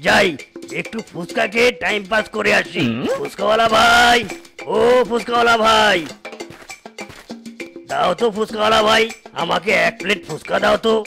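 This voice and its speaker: A man voicing a clumsy male ape, rough and blustering. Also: high voice, normal speed, pauses often, bright, forceful tone, faint music behind, full character voice.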